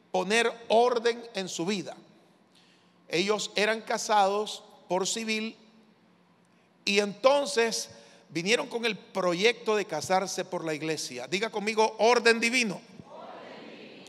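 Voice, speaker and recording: A male pastor preaching a sermon in a measured, emphatic way, asking the congregation to repeat phrases after him. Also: high voice, fairly bright tone. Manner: measured, emphatic preaching with call-and-response prompts. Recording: long reverb of a large hall.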